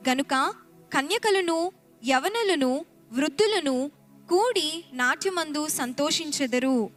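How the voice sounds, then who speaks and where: A woman reading Bible verses aloud during a sermon, in a steady and formal recitation. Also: sits high, slow pace, faint music behind. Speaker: scripture reader.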